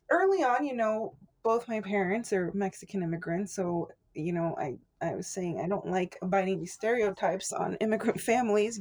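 A chatty woman guest in a casual interview, whose first language was Spanish. She tells her story in an animated way and laughs easily, at a middle pitch. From California.

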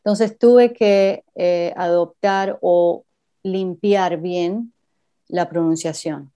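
Speaking in a lowish, dark-toned voice with a steady delivery and drawn-out words, a woman with a blended Cuban and Argentine Spanish accent converses casually as an interview guest. Frequent hesitant fillers and English phrases pepper her speech, and the audio is dull and lo-fi.

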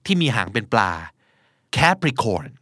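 A man's voice: mid-range voice, big pitch swings, slow, sharp tone, dry recording, studio quality. A man with a Thai accent, hosting a pronunciation lesson and spelling English words out letter by letter.

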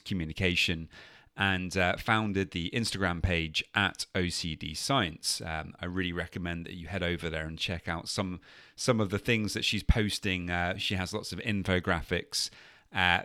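Low-voiced male podcast host, friendly, hesitant delivery, dry sound. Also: pushed and bright, dry recording. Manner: friendly, many uhs and restarts. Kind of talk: podcast intro and interview.

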